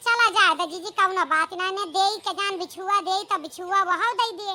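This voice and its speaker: A cartoonish character voice from a woman, extremely high in pitch, with fairly even intonation. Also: moderate pace. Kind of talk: village comedy dialogue. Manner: easygoing, reasonable.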